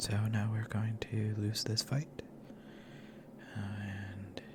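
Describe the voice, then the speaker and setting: A soft-spoken man whispers at a very slow pace against noticeable background noise. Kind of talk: ASMR gaming let's play commentary. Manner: soft-spoken, whispered.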